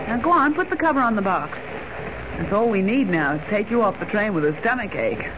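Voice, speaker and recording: A woman's voice: mid-range voice, sing-song, brisk, close to an everyday voice. An actress playing a curious, impatient young woman reporter who bosses and scolds in 1940s radio-drama style. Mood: bossy. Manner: impatient, bossy, exasperated. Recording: muffled hissy 1940s radio recording.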